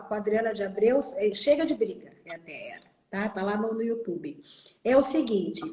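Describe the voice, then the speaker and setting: A woman hosting an interview, giving emphatic, lively advice in casual chat. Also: on the high side. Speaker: host. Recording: echoey room.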